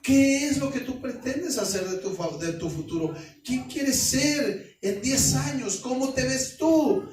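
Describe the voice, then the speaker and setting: A man's voice: very high voice, lively intonation, a little slow, a little mellow, voice pushed up. A man with a Mexican accent voicing a condescending employer who quizzes a young job applicant with patronizing questions. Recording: echoey church hall, mic at a distance.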